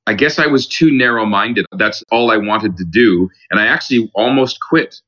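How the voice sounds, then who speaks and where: A stage actor talks easily about his career, laughing now and then as he tells stories. His voice sits a little low but rings bright and forceful. The sound is dull and lo-fi. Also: normal speed. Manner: relaxed, reflective storytelling with easy laughs. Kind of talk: conversational interview.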